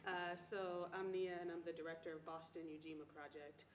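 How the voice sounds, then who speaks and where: A soft-spoken woman speaking as a panelist at a university event, deliberate, with frequent ums and uhs. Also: on the low side, fairly even intonation, slight background noise. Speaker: director of a community finance group, panel speaker. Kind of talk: public talk at a university event. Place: lecture hall. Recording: echoey hall, faint ambience.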